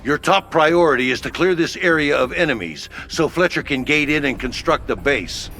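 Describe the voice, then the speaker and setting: An actor playing a gruff military headquarters officer who gives brisk, blunt orders over the radio. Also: male voice, on the high side, lively intonation, slight background noise. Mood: commanding. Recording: game cutscene with loud music behind.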